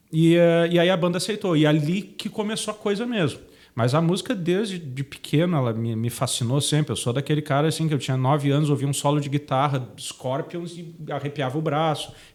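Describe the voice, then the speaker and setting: At a fairly quick pace with hardly any pauses, a man talks in a fairly high pitch with ordinary pitch variation. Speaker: singer. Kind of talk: podcast interview. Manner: halting, with many repetitions.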